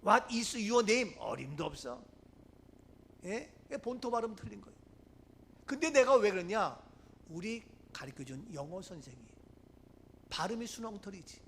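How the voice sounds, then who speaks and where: A man with a high, bright voice preaches in a church, telling stories with lively swings between quiet asides and loud, forceful lines. Faint background noise sits under the voice. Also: moderate pace, vocal fry, pauses often. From Gangwon Province, Korea. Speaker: pastor. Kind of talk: sermon. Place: church sanctuary.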